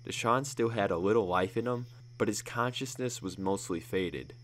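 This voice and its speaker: Man, story narration, low voice, steady, matter-of-fact. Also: moderate pace, slight background noise.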